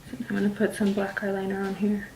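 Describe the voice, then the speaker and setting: A woman's voice: medium pitch, fast. A woman whose first language is Spanish, speaking English with a Spanish accent in a chatty get-ready-with-me vlog, full of "like" and "you know". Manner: chatty, filler-heavy, many "like"s and "you know"s. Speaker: beauty vlogger. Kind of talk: casual get-ready-with-me chat. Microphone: camera mic from a distance. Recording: distant camera mic, steady background hum.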